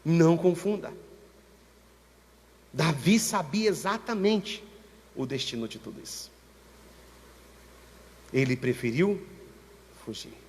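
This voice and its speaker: A Brazilian man with a Brazilian Portuguese accent, preaching a sermon as pastor at a church service with impassioned, slow, emphatic repetition. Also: fairly high pitch, expressive, darkish tone. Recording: church reverb with long echo tail.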